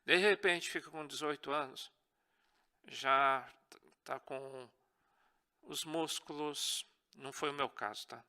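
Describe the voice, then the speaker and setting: A man's voice: medium pitch, takes it slowly, long pauses, pushed and bright, clean tone. A man with a Brazilian Portuguese accent teaching a church course in an earnest tone, often checking in with his class.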